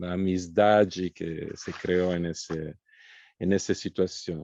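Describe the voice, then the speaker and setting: Spoken very slowly in an Italian accent, the voice stays monotone and flat, with a dry, close sound, no echo and a quiet background. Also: man. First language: Italian (speaking Portuguese). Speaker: author and philosophy professor. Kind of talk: lecture. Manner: halting, many hesitations.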